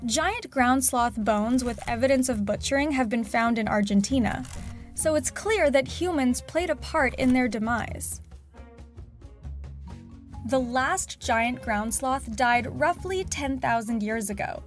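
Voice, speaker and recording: A woman's voice: fairly high pitch, animated, unhurried, soft background music. A woman narrating a scripted nature documentary as the presenter of an animal show. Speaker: host and narrator of an animal channel.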